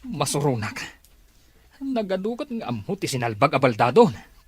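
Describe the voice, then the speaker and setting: A woman's voice: low voice, sing-song, normal speed, a little hiss or hum. A woman playing a defensive company employee in an Ilocano audio drama. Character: defensive company employee accused over a bank account.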